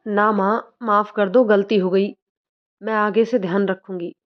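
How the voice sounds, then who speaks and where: A woman's voice: medium pitch, steady tone, measured pace, lightly acted. A woman as a meek young daughter-in-law. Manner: soft, submissive, apologetic. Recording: dull lo-fi recording.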